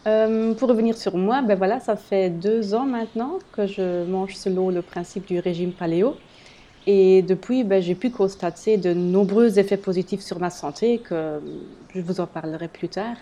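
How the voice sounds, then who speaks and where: Mellow-voiced woman with a German accent. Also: medium pitch. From German-speaking area, living in eastern Belgium near the German border. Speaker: podcast host and blogger. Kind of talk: casual solo podcast explainer.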